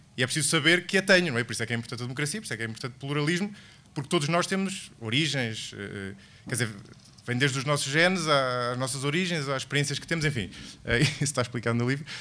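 A man talks at a very fast pace with a fairly high pitch and ordinary pitch variation. His tone is bright and sharp. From Portugal. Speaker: author and podcast host; podcast host. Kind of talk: book presentation talk. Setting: bookstore event with audience. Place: stage. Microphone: speaks close to the microphone; studio mic.

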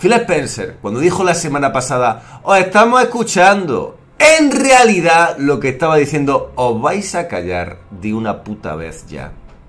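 A man speaks in an animated tone at a fairly high pitch, with very wide pitch swings and vocal fry. Faint music plays in the background. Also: big swings in loudness. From Spain. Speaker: gaming youtuber. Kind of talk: video commentary rant. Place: home room.

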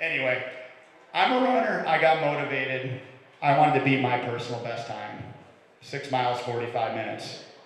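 A man with an American accent, fairly even intonation, a moderate pace and long, frequent pauses, in strong room echo. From Michigan. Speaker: stand-up comedian. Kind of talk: stand-up. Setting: stage with audience. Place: stage.

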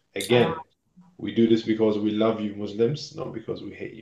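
Audible room echo and light background noise surround a man speaking at a medium pitch with fairly even intonation. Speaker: co-host reading viewer comments. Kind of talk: live stream discussion. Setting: online live stream. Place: home room. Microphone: phone near.

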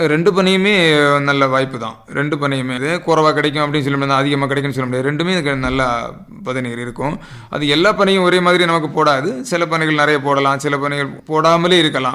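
This man has a fairly high pitch and a plain, everyday voice. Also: ordinary pitch variation. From Kanyakumari district, Tamil Nadu. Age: 40s. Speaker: palm tree climber and palm jaggery producer. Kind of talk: radio interview.

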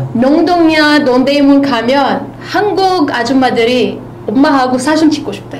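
A woman's high-pitched voice at a very slow pace, with audible room echo and light background noise. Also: ordinary pitch variation. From Morocco. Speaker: guest. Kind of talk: casual chat. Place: meeting room.

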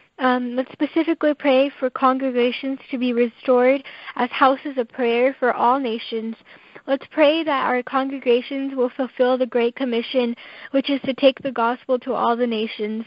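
In a quiet background with dry sound and no echo, a woman speaks in a high pitch with monotone, flat intonation. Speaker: prayer line leader. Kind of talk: group prayer and scripture reading. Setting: phone prayer line. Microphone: phone line.

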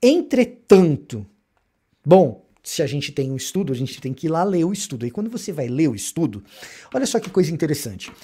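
A man speaks at a fairly quick pace in a dark, mellow tone with vocal fry and very wide pitch swings, against a quiet background. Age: 40s. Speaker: theologian and YouTuber; YouTuber. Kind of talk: reaction video commentary. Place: home room. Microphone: studio mic.

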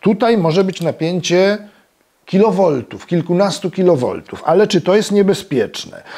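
Against a quiet background, a man with a high pitch uses ordinary pitch variation and a dark, mellow tone. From Poland. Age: old. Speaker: electronics educator and magazine publisher; electronics educator. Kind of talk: tutorial. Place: workshop. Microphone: lapel.

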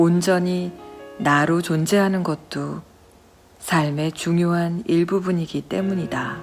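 With music in the background, a woman speaks at a very slow pace in a fairly low, monotone, flat voice. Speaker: voice actor; narrator. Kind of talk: poetry reading.

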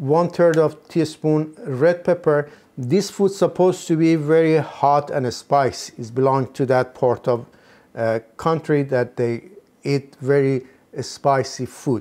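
Talking very slowly, a man varies his pitch in an ordinary way. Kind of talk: tutorial. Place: kitchen.

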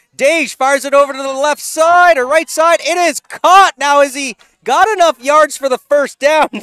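A man speaks in an extremely high pitch with a raised, projected voice and a bright, sharp tone. His intonation is fairly even, he hardly pauses, and the sound is dry and close with no echo. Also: moderate pace. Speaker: play-by-play commentator.

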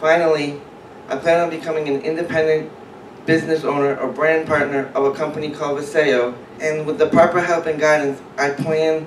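A man at a fairly quick pace with fairly even intonation, audible room echo and light background noise. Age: 30s. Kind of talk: prepared personal testimony. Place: hall.

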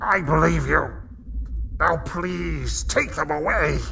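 A raspy, put-on character voice at a fairly slow pace, with clear background noise. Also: man. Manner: aggressive, hot-tempered.

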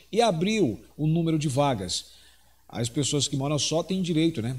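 Somewhat breathy, the voice moves at a moderate pace with lively intonation. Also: man. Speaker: radio host, blogger. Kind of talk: news commentary.

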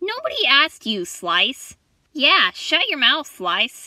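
A woman does a cartoonish character voice, high-pitched and slow, with very wide pitch swings, a bright, sharp tone and a dry, close sound with no echo.

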